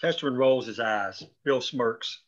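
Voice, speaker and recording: A man's voice: medium pitch, unhurried. A man reading stage directions as scripted narration at a table read. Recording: dull, lo-fi.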